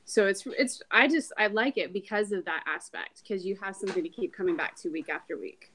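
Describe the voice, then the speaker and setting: A woman's voice: mid-range voice, fairly quick, a bit bright, slight background noise, poor audio. A woman hosting a podcast in casual chat, with an effusive, informal way of talking. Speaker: podcast host.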